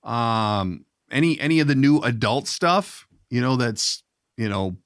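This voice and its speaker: A man's voice: mid-range voice, lively intonation, a little slow, no echo, clean studio sound. A middle-aged man hosting a podcast, asking questions in a casual, rambling, informal way. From Minnesota. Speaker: podcast host. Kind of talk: casual interview chat.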